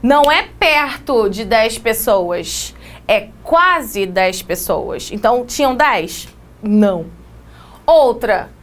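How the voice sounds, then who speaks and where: A woman with a Brazilian Portuguese accent teaching an English grammar lesson, explaining with quick examples and playful asides. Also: a little high, expressive. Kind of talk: exam-prep grammar lesson.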